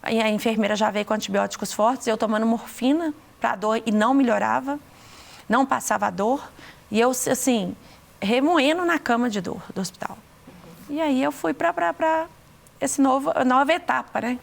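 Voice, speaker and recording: A middle-aged woman with a Brazilian Portuguese accent, telling her faith testimony to an interviewer, earnest and halting, often repeating words. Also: fairly high pitch, gravelly. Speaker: interview guest giving testimony.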